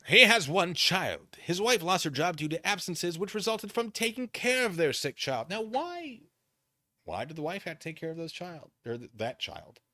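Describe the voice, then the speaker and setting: Man, streamer commentary, reading aloud with mocking asides, lively varied intonation, crisp forceful tone, theatrical. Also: sits high, normal speed, dry recording, studio quality. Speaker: commentary streamer, channel host. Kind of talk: off-the-cuff commentary while reading a document aloud.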